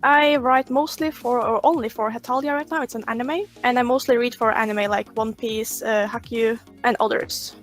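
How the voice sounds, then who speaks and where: A woman's voice: fairly high pitch, fairly even intonation, normal speed, few pauses, faint music behind. A woman guest on a podcast, chatting casually in a rambling, conversational way and telling anecdotes. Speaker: podcast guest, fanfiction writer.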